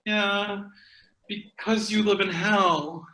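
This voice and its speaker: Man playing a high-voiced, flippant cartoon sidekick. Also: fairly even intonation, slow, bright, forceful tone, heavily acted, poor audio. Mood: glib. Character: cowardly, flippant sidekick pal in a cartoon comedy. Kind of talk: animated comedy table read.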